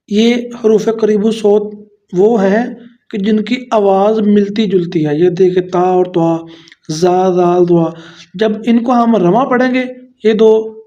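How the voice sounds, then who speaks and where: High-voiced patient male Quran teacher. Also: dark tone, lo-fi sound. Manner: patient, drills letters syllable by syllable. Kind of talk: step-by-step pronunciation lesson.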